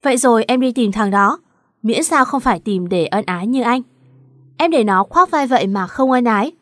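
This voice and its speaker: A woman's voice: fairly high pitch, lively intonation, normal speed, a bit bright, no room sound, clean studio sound. A woman voicing a cold, curt young husband who is also a boss, in a read-aloud story. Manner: curt and dismissive.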